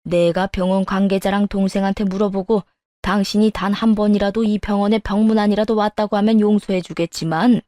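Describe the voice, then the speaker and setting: A stern older father-in-law berates his wife in a dry, close voice, voiced by a woman. He lectures with indignation in a middle pitch, like a scripted storybook drama. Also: warm tone, no room sound, lightly acted. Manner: scolding, indignant.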